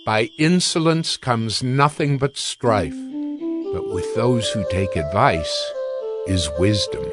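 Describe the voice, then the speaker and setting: A man narrating scripture from a script in a deliberate, solemn way. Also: fairly low pitch. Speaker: audio Bible reader. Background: plucked guitar music.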